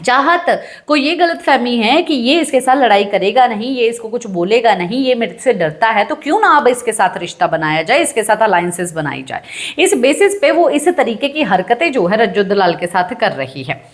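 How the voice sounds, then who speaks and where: A woman giving casual gossip commentary on a reality show, retelling events in an animated, chatty way with many filler phrases. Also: fairly high pitch, normal speed.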